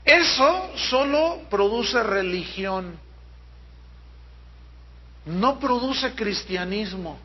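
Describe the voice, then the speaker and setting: A man's voice: sits high, expressive, slightly rough, muffled recording. A man with a Mexican accent, a pastor preaching a sermon in a church auditorium, emphatic and drawing out key words. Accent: Mexican Spanish. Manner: emphatic preaching, drawn-out stresses, mimics people.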